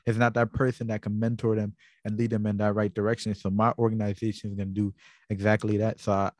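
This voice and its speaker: A man's voice: fairly low pitch, level tone, fast, a little mellow, no room sound, clean studio sound. A man from Guyana hosting an interview, talking earnestly and rambling a little with many fillers. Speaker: interview host. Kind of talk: casual interview.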